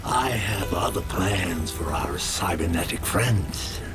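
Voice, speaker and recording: An actor playing a calm, commanding male villain in a cartoon, measured and in control. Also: deep voice, over music. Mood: scheming.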